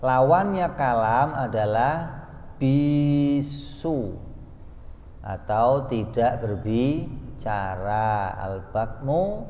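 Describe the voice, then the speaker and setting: Slow-spoken man teaching in an echoey hall. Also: mid-range voice, expressive, darkish tone, slight background noise. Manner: teaches with rhetorical questions and playful examples; chants Arabic text from a book. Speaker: religious teacher. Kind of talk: religious study lesson.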